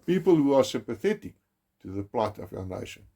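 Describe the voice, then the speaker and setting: A man with a South African accent, whose first language is Afrikaans, gives a grave, measured documentary narration with emphatic stresses. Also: medium pitch, sing-song, vocal fry, dark tone. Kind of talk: solemn scripted narration.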